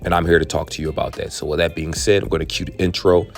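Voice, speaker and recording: A man hosting a tech channel, chatting casually and frankly to viewers, his voice worn hoarse. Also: extremely low pitch, flat delivery, quick pace, loud music behind the voice. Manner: chatty, frank, drifts into asides. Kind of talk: casual explainer talking to viewers.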